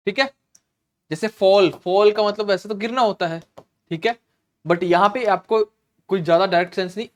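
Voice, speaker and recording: A man teaching exam vocabulary in a Hindi-English mix, explaining slowly, repeating words and checking in with "okay" as he goes. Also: high-pitched. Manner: clears throat often.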